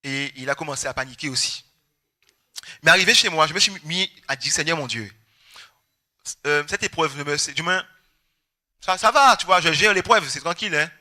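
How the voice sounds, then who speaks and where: A young Guadeloupean man preaching a personal testimony, animated and storytelling, acting out his family's words. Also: on the high side, moderate pace, pauses often. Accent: Guadeloupean French. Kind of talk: testimony sermon.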